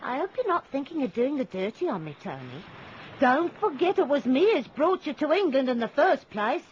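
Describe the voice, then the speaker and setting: A woman's voice: high-pitched, sing-song, normal speed, a little hiss or hum. A woman playing a scheming fortune-teller and con artist with a coarse, bullying manner in a radio drama, slightly muffled recording. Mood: menacing.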